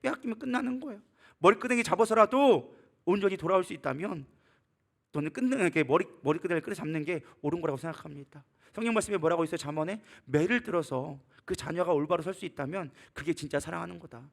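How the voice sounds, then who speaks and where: A male pastor delivers a sermon in a voice gone hoarse, rough and gravelly. He talks quickly and sits high in his range. He presses his listeners with urgent exhortation and bursts into loud scolding when he quotes. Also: animated.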